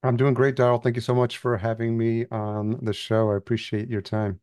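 A man's voice: medium pitch, level tone, brisk, a little mellow, no echo. A man from El Salvador, a podcast agency founder, telling his story as a guest in a casual interview and laughing easily.

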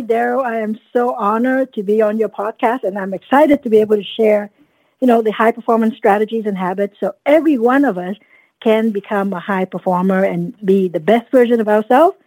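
A woman in her fifties from Vietnam, a guest telling her story in an earnest, reflective way, often pausing with "you know.". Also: on the high side, a little mellow, no room sound, poor audio. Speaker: guest, dentist and coach. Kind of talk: casual podcast interview.

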